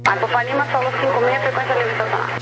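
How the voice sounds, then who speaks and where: A man with a Brazilian accent working as a tower controller, giving rapid instructions over aviation radio. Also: extremely high pitch, steady tone, loud music behind the voice. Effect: radio transmission. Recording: noisy radio channel with hum.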